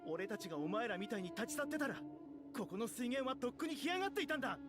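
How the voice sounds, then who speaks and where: Angry desert villager, rapid and scornful. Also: male voice, extremely high pitch, very animated. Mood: accusing. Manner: scornful, rapid-fire accusations. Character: angry male desert villager, defiant and accusing. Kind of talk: Japanese game voice acting. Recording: game audio with music behind.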